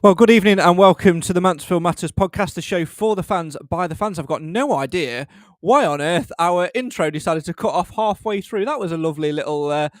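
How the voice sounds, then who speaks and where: A man from the hosts a live football fan podcast over a video call. His voice sits fairly high, and the sound is dry and close. He talks in a chatty, self-deprecating way and often pauses on fillers. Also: dry recording. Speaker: podcast host. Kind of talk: casual live podcast hosting.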